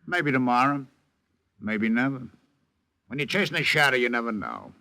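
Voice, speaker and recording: A man's voice: medium pitch, animated, moderate pace, bright, forceful tone. An actor playing a hard-boiled, wisecracking male private detective in a 1950s radio drama, clipped and dry.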